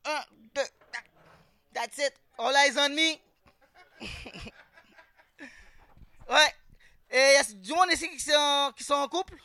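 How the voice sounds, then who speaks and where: A man's voice: very high-pitched, slow, pauses often, bright, forceful tone, dry recording. A man with a Québécois French accent doing a stand-up comedy routine on stage, talking street slang, throwing "man" into every line and quizzing the audience. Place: stage before a live audience.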